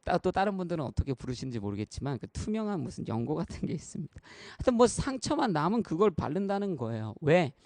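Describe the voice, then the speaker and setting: A man's voice: on the high side, sing-song, fast talker, hardly any pauses, a little mellow, no room sound. A man in his thirties preaching a sermon as a pastor, earnest and conversational, often turning to address the congregation directly and telling personal stories. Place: church.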